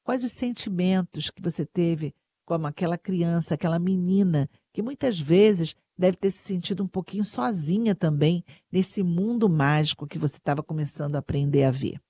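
A middle-aged woman interviewer asking her guest attentive, warm questions. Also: lowish voice, normal speed, few pauses, no echo, clean studio sound.

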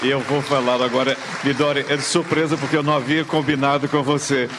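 A man's voice: medium pitch, flat delivery, quick pace, big-room sound, crowd noise, background noise. A man hosting an interview, asking questions and offering effusive, formal praise to his guests. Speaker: host.

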